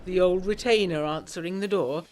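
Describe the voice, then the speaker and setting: A woman's voice: on the low side, normal speed, a little mellow, lightly acted. A woman playing an eager, self-pleased 1920s lady narrating a gothic audio drama in genteel, bookish diction. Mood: brisk, confiding.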